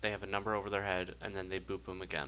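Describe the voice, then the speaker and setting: Over light background noise, a man speaks quietly at a fairly quick pace, his very deep, low voice showing vocal fry, a bright, sharp tone and ordinary pitch variation. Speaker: game developer streamer. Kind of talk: live coding stream, thinking aloud. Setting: live stream at computer. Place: home room.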